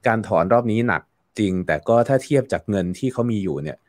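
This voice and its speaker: A man talks through a topic as an interview guest, his voice sitting on the low side. He explains at length, leaning on fillers and repeating words as he thinks. The sound is dry and close. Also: animated, fast, darkish tone, dry recording. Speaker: guest commentator. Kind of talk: casual interview talk.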